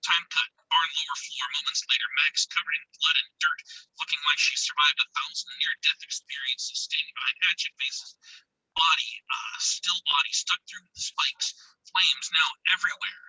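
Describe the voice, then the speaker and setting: A man with a breathy voice reading screenplay stage directions as an intense, suspenseful narrator. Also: fairly high pitch, fairly even intonation, moderate pace, pushed and bright, no echo, poor audio. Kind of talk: dramatic scripted narration of screenplay action.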